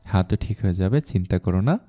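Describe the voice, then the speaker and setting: A friendly older sister who teases lightly, read by a man. The voice stays low and mellow, with faint music beneath the storybook reading. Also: expressive, a little fast. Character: friendly teasing young woman, older sister.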